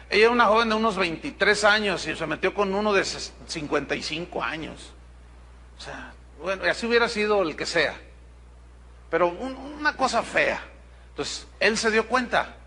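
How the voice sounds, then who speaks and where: A middle-aged man with a Mexican accent preaching a sermon, telling a congregation story in a direct, animated way with humorous asides. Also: high voice. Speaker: pastor.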